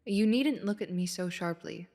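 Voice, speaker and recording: Long reverb surrounds the voice of a woman performing a steadfast lady knight from a fantasy audio drama. She is medium in pitch, composed and dutiful, with frank, courtly, old-fashioned phrasing. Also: moderate pace, a little mellow, lightly acted. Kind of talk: fantasy audio roleplay acting.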